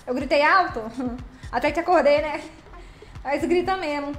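Woman, high voice, affectionate live-stream host, roomy echo. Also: moderate pace. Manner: chatty and affectionate, calls viewers by name and pet names. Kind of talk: casual live-stream chat greeting viewers. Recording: roomy echo with faint background music.

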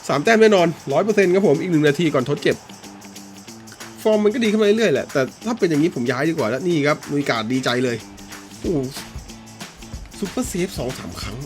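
A man calls his own football video game match in a loose, casual way, his voice jumping from low grumbles up to sudden high yelps. His pitch moves a great deal. Game music plays faintly under him. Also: expressive, quick pace, long pauses. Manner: shouty, swings between low mutters and high yelps. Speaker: gaming YouTuber. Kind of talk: excited gameplay commentary.

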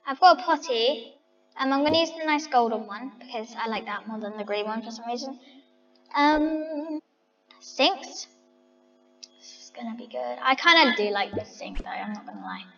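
A woman's voice: on the high side, very animated, normal speed, a bit bright, long reverb tail, dull audio, faint music behind. A woman chatting to her viewers as she decorates a house in a game, thinking aloud. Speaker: vlogger. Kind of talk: casual game commentary.

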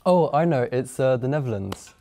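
A man's voice: mid-range voice, expressive, normal speed, mellow, natural voice. A man playing a modest, nervous quiz show contestant with a hesitant, understated delivery.

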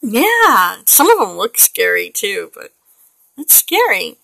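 A woman's voice: medium pitch, wildly swooping pitch, takes it slowly, vocal fry, pushed and bright, dry recording. A woman in her late forties, chatting casually and rambling with frequent laughs while she paints digitally. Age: 40s. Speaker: digital artist.

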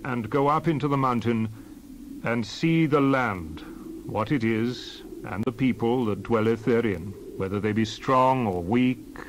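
A man's voice: medium pitch, lightly acted, low-quality recording. Male actor as commanding biblical patriarch, solemn declamation, very varied intonation, faint background noise. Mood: firm, instructing. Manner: declamatory, archaic scriptural phrasing. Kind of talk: dramatized Bible reading.

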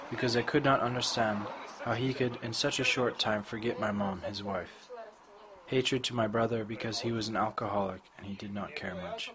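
A man in his forties from Croatia, with a Croatian accent, giving a slow, candid personal testimony to a group in a covered outdoor courtyard. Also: mid-range voice, low-quality recording. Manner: slow, measured and candid, with short plain sentences. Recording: crowd murmur behind. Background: group of listeners.

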